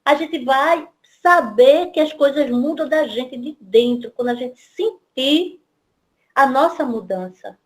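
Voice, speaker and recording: Lively high-voiced woman giving a spiritist talk. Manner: storytelling, voicing father and daughter in quotes. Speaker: spiritist lecturer. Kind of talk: devotional talk with a parable.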